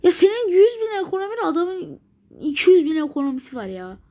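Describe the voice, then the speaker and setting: High-voiced exasperated woman gamer. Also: very animated, fairly quick, mellow. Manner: exasperated, grumbling at the game; thinking aloud to herself. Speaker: gameplay video maker. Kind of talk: strategy game commentary.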